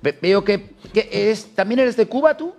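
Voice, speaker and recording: A man hosting a radio phone-in show, briskly thanking callers and moving the talk along. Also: high-pitched, animated, creaky, darkish tone, faint music behind. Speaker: radio host.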